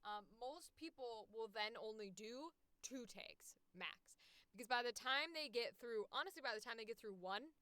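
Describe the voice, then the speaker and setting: Bright, crisp-voiced woman streamer. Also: a little high, normal speed, no room sound. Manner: expressive, excitable, blunt, swears casually. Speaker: livestream host and voice actor. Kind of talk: casual livestream chat, reading casting calls aloud.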